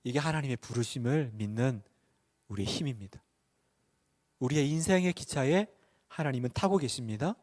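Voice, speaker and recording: A man's voice: mid-range voice, animated, normal speed, pauses often, darkish tone. A middle-aged male pastor preaching a sermon, firing rhetorical questions at the congregation and acting out the voices in his stories.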